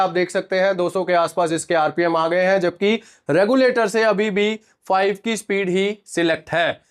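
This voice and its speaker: Male reviewer-host, high and smooth voice, sore throat, chatty hands-on walkthrough. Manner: chatty, talks viewers through a live test. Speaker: product reviewer, channel host. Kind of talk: casual product review vlog.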